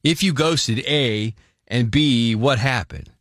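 A man hosting a radio morning show call-in segment, chatty and animated, steering the call with leading questions. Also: medium pitch, slow, no echo, clean studio sound. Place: radio studio. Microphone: studio mic.

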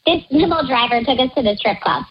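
A woman's voice pushed very high by a voice changer comes over a muffled, lo-fi phone line. She tells her confession as a caller to a radio show. She rambles along in a chatty way and keeps breaking into giggles. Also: lively intonation, fast, noisy background. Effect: voice changer, pitch-shifted disguise. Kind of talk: anonymous confession on a radio call-in. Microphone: phone call into a radio studio.

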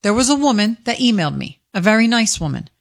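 A woman's voice: on the high side, big pitch swings, fast talker, gravelly. A woman who has long produced the show, in casual chat, chiding and protective as she talks back to the host.

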